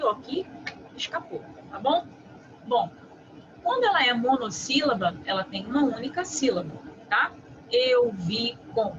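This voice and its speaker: A woman teacher walks through a review lesson in a didactic way, pausing often to check that her students follow. Her voice sits slightly high. The recording sounds muffled, with a steady background noise underneath. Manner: didactic, constantly checks understanding with tag questions. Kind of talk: online lesson.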